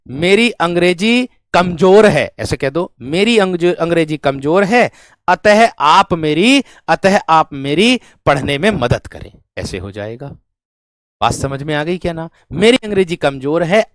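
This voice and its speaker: A man's voice: high-pitched, dry recording, clean studio sound. A male teacher with a North Indian Hindi accent giving an exam-prep grammar lesson, repeating each point and checking whether students have understood. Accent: Hindi-speaking North Indian. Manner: calls students friend and brave one.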